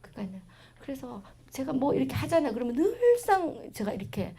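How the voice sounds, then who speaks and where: A middle-aged woman with a regional Korean accent giving a parenting lecture, telling stories in a chatty way that swings between loud bursts and soft asides. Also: high voice, very animated, fairly quick, slightly rough. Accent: Korean regional dialect.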